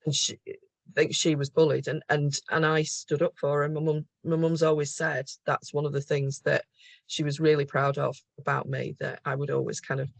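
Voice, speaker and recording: A woman's voice: low-pitched, flat delivery, moderate pace, creaky, no room sound. A middle-aged woman from the Liverpool area with a mild Liverpool accent, guest on an interview podcast, speaking thoughtfully with frequent ums and self-corrections. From England, Liverpool area. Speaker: guest, mental health nurse.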